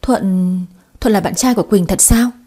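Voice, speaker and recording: A woman voicing a shaken middle-aged mother who speaks haltingly. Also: medium pitch, mellow, slightly rough, lightly acted. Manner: halting, strained.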